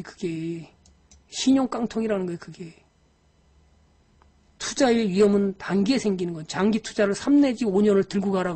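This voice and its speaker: A woman with a husky, slightly breathy voice gives a live-streamed lecture on stock investing. She scolds her audience in an exasperated way and sighs often. She speaks directly to viewers in a mid-range pitch. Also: dark tone.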